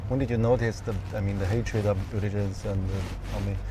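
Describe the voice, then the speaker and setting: A man whose first language is Chinese, asking questions in halting English and murmuring agreement as an interviewer. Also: on the low side, steady tone, slight background noise. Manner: soft murmured agreement, broken non-native English. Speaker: interview host.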